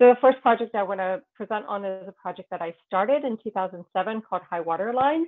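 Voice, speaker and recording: A woman speaks with ordinary pitch variation, the background quiet. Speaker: presenter. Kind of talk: conference presentation. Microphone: video call.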